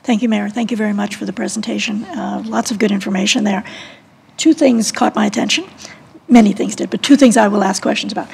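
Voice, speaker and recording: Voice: mid-range voice, fairly even intonation, fast talker, vocal fry, slight background noise. A city councillor asking friendly, direct questions in a council chamber.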